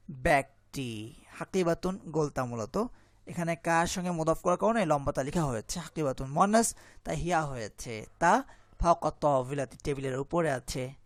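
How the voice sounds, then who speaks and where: A man with a high-pitched voice teaches a grammar lesson. He reads each phrase out slowly, then translates and explains it, asking questions and answering them himself. The sound is dry and close. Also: no room sound. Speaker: Arabic teacher.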